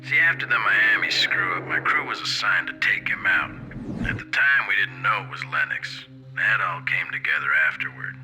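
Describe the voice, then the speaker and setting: An actor playing a seasoned black-ops soldier, giving a grim account in a game cutscene. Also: male voice, deep voice, normal speed, over music, natural voice, low-quality recording. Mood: grim, rueful. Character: seasoned male black-ops soldier recounting failed hunts. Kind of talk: dramatic game cutscene acting.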